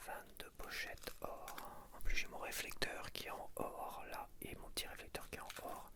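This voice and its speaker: Slowly counting as he sorts stickers, a male ASMR creator chats in a soft, unvoiced whisper from start to finish. His home setup uses softbox lighting.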